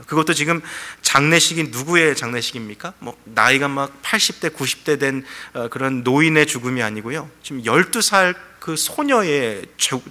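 A man preaching from a church pulpit in a bright, forceful voice. He tells the story in lively sermon style, often pausing on fillers. His voice rings with the long reverb of the sanctuary. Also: medium pitch. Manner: storytelling preaching with frequent fillers and shifting emphasis. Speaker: pastor.

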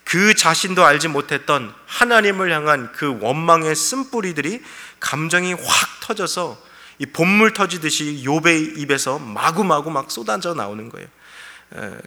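A man's voice: fairly high pitch, bright, forceful tone. A man pastor preaching a sermon, earnestly explaining scripture verse by verse. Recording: reverberant hall.

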